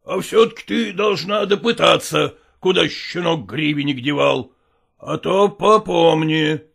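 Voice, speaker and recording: A woman reading a story aloud, voicing a rough, bullying husband who drawls his threats slowly. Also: deep voice, heavily acted. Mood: menacing. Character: rough, bullying working-class husband, grown man. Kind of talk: audiobook character reading.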